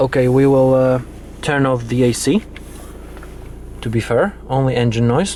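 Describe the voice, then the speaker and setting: A man with a Polish accent talks at a medium pitch and moderate pace, with fairly even intonation. Long, frequent pauses break up his speech, and there is noticeable background noise. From Poland. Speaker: car reviewer. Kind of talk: product review. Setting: inside a car. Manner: halting.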